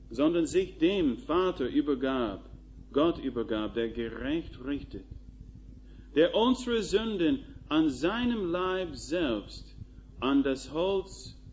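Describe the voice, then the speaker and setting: A man preaching a sermon in a slow, emphatic style, building to rising calls to the listeners. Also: medium pitch, darkish tone. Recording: dull lo-fi recording with faint noise.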